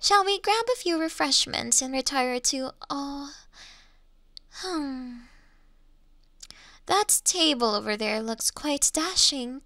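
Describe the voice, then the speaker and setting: A woman playing an ancient, elegant monster in a Victorian fantasy audio drama, teasing her hunter in archaic, formal phrases with lingering pauses. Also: sits high, fairly bright tone, dry recording, clean studio sound, full character voice. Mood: teasing, flirtatious. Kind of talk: slow theatrical roleplay monologue in Victorian fantasy audio drama.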